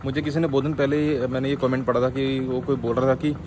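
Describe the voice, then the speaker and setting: A man's voice: medium pitch, little pitch movement, fast, darkish tone, slight background noise. A young man chatting casually in a daily vlog, teasing and joking as he talks. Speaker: vlogger.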